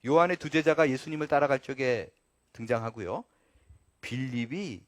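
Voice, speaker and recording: A man preaching a sermon as pastor, earnest, swinging from loud emphasis to quiet low asides. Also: no echo, studio quality.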